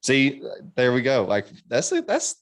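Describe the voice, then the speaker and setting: A man's voice: mid-range voice, huge pitch swings, unhurried. A man who is a comedian guest on a podcast, chatting playfully and laughing as he riffs on jokes. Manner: playful, laughing, repeats words. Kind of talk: casual comedy chat. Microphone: video call.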